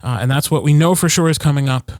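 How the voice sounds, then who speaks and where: A man's voice: a little high, fast talker, dry recording, clean studio sound. A man chatting casually as a podcast co-host.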